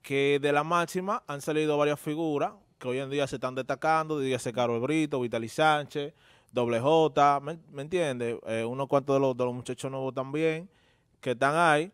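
Smooth-voiced young Dominican male co-host. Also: medium pitch, steady tone, normal speed, no echo, studio quality. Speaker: radio show co-host. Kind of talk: casual panel commentary. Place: TV-radio studio. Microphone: studio microphone on desk stand.

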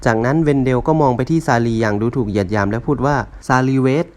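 A man in his twenties from Laos narrating a novel in a brisk, steady reading voice. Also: mid-range voice. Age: 20s. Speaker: novel reader.

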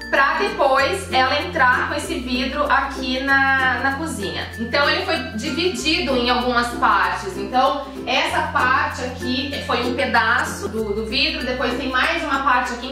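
A woman in her thirties with a Brazilian Portuguese accent and a voice that sits high chats casually in a home-organization vlog from her modern kitchen. Friendly and talkative, she gestures with her hands and often restarts sentences. Recorded indoors by a camera at medium distance, the audio is echoey and distant, with background music.

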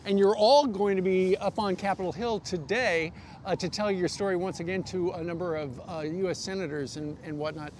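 An American man in his sixties hosting a live broadcast interview, talking in a halting, conversational way. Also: high voice, steady tone. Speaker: TV news host interviewing guests. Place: outdoor rooftop terrace in a city. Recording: outdoor live broadcast, clear background noise.

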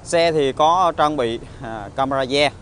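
A man with a southern Vietnamese accent giving an informal used car salesman's walkaround pitch, halting often with hesitations and tag words. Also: fairly bright tone. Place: outdoor car lot, partly inside a car. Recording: outdoor phone recording with traffic ambience.

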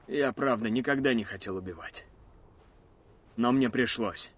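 A man's voice: mid-range voice, measured pace, breathy edge. An actor playing an earnest young man torn by revenge in a game dub, speaking with emotion. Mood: troubled. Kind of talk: Russian game dub acting.

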